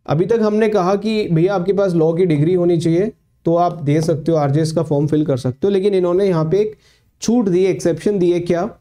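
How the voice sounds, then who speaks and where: Mellow-voiced man explaining exam rules. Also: high-pitched, steady tone. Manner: explanatory, repeats points, mixes English phrases; reads notification lines aloud slowly. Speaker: law exam coach. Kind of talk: exam guidance lecture.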